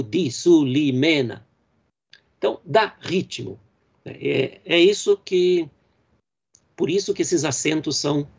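A man's voice: a little high, a little mellow. Brazilian man lecturing on poetry, muffled. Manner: explanatory, with frequent "né?" and "é" fillers; reads verse lines slowly and deliberately. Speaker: literature professor.

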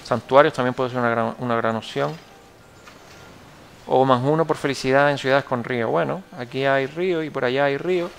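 A young man with a Canarian Spanish accent talks through a strategy game, thinking aloud, trailing off and correcting himself. His voice sits at an ordinary pitch with a gravelly, creaky edge. A faint hiss of noise runs underneath. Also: brisk. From Canary Islands, Spain. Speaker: gameplay tutorial host. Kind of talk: casual gameplay commentary.

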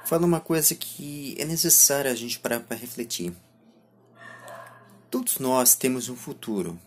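A man in his twenties with a Brazilian accent and a husky voice, speaking a reflective monologue to camera as a vlogger, halting between short phrases. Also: medium pitch. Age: 20s. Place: small indoor room lined with bookshelves. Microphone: phone or camera at arm's length.

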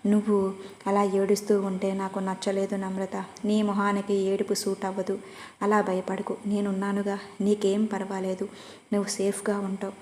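A woman voicing a quick-tempered but caring young male boss in a storybook reading, in her own even voice. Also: mid-range voice, slight background noise, natural voice. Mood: soothing. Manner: read in the narrator's own even voice.

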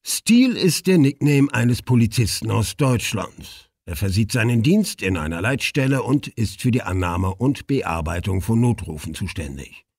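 A man's voice: lowish voice, expressive, normal speed, hardly any pauses, darkish tone, breathy edge, no room sound. A man reading the opening announcement of a radio play in a formal tone. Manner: formal reading with a mock slip.

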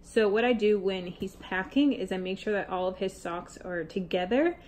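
A woman's voice: mid-range voice, moderate pace, a little mellow. A young woman chatting casually through her meal prep vlog in her home kitchen, filmed on a phone. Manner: chatty, talks baby-talk to her cats. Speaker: vlogger. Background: faint household appliance hum.

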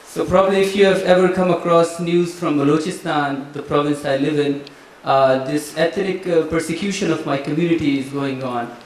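A man's voice: fairly high pitch, fairly even intonation, normal speed, hardly any pauses, lightly acted. A young man from Pakistan, speaking hesitantly with many fillers, into a handheld mic on a stage. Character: young man patiently explaining his background. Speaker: performer in a staged dialogue. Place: large wooden-walled hall. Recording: echoey hall from a distance.

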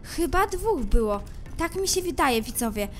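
High-pitched woman doing game commentary, whispers to viewers then freaks out screaming, faint music behind. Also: very animated, normal speed. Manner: talks straight to viewers, swings from hushed suspense to screaming panic. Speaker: gameplay commentator.

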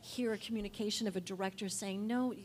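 A woman's voice: mid-range voice, steady tone, quick pace, darkish tone. A woman with a mid-range voice speaks into a table mic on a panel. She explains her craft in a thoughtful, advising manner. A faint hiss lingers behind her. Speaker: panel guest, voice actor. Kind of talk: casual panel chat. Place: indoor meeting room at a panel table. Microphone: table mic on stand.

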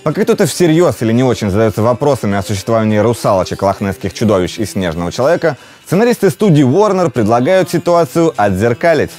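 A man's voice: mid-range voice, sing-song, quick pace, hardly any pauses, darkish tone, soft background music. A man in his thirties presenting a scripted film review with a playful, ironic manner.

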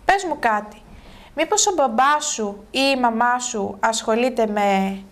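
A friendly, questioning man runs the place, read by a woman with little change to her own voice. He asks one thing after another in a good-natured way. The higher pitch is hers. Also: natural voice. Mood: curious.

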